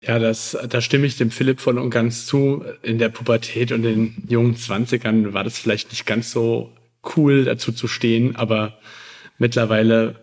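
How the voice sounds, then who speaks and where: A man's voice: mid-range voice, a little mellow. A man chatting casually as a guest on a podcast. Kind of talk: casual chat.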